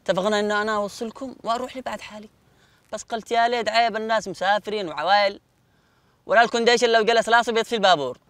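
An actor playing an exasperated driver who argues with passengers, with a Yemeni accent. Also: male voice, high voice, fairly bright tone, no room sound. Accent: Yemeni Arabic. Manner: rapid, exasperated arguing. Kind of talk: TV drama acting.

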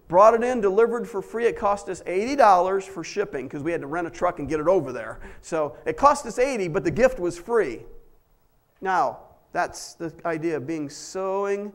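A man with a notably high-pitched voice, preaching a sermon. He tells homey stories in a casual way, then presses his points with rising emphasis. He sounds middle-aged. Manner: folksy storytelling that builds to emphatic preaching. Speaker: pastor.

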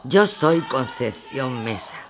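A woman's voice: extremely low pitch, animated, slow pace, background noise, heavily acted. An actress playing a resolute working-class woman leading protesters, with an Andalusian accent, in a radio drama. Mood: resolute, firm. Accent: Andalusian Spanish.

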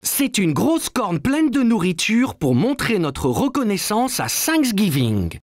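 An actor playing a calm, reassuring father in a children's cartoon, patiently explaining things. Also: mid-range voice, takes it slowly, no echo, studio quality. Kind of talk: cartoon voice acting.

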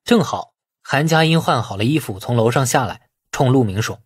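A man reading a novel as a dramatic audiobook narrator, with expressive storytelling. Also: medium pitch, normal speed, breathy edge, no echo, studio quality. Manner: expressive storytelling, acting out dialogue.

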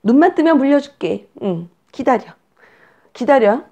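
A woman's voice: sits high, animated, normal speed, mellow, muffled recording, voice pushed up. A woman acting out a polite, eager new mother at a postpartum care center, speaking in a sweet, raised tone. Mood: coaxing.

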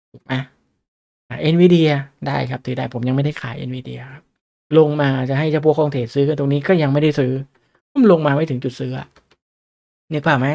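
A man's voice: medium pitch, creaky, a little mellow. A man hosting a casual livestream on stock analysis, talking chattily and often asking his viewers rhetorical questions. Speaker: stock market livestream host.

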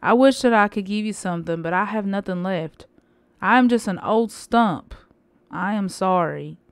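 A woman voicing a loving, selfless female apple tree in a storybook, with a gentle, giving manner. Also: mid-range voice, moderate pace, smooth, no echo, close to an everyday voice. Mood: apologetic.

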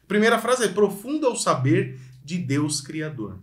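A violin teacher with a Brazilian Portuguese accent gives an online lesson in a high-pitched voice at a moderate pace, and the sound is roomy. He speaks straight to the viewer with energy and sings phrases to demonstrate.

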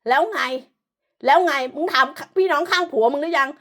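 A woman's voice: sits high, fast talker, fairly bright tone. A woman delivering an angry, profane, scolding rant as an online commentator, hurling insults throughout.

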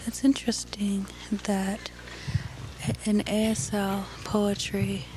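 Woman academic presenter; flat, matter-of-fact delivery over audible background noise. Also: medium pitch, slow, poor audio. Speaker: conference presenter.

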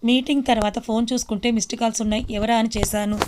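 A woman voicing a young male office worker who keeps calling a stranger and talks smoothly and persistently. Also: on the high side, steady tone, fast talker, darkish tone, close to an everyday voice.

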